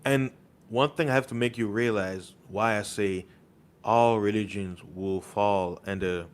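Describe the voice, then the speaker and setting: A man with a fairly low voice preaches in an unhurried, deliberate way. He presses his points with rhetorical questions and drives them home by repeating key words. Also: steady tone. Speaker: online preacher. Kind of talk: impassioned monologue.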